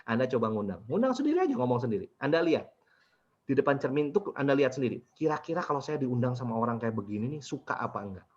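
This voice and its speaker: A man's voice: mid-range voice, fast talker. A man leading a business workshop, talking to participants and asking them questions often. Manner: lively, keeps asking the audience questions. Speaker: business trainer. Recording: dull lo-fi recording.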